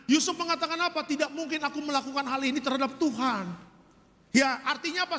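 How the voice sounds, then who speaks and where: Bright high-voiced preaching man. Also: big-room sound. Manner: lively, humorous storytelling with acted voices. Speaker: pastor. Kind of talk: sermon.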